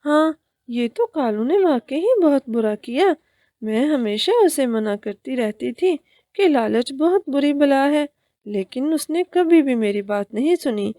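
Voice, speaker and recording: A woman's voice: sits high, animated, mellow, dry recording, studio quality. A woman voicing a sensible female sparrow in a cartoon, who speaks in a reproachful way.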